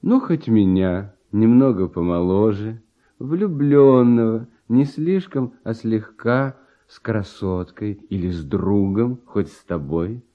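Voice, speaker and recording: An actor playing a cheerful, carefree genius composer in a verse radio play, with light-hearted, expressive theatrical delivery. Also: male voice, lowish voice, slow. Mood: musing. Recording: dull vintage radio play recording, music behind.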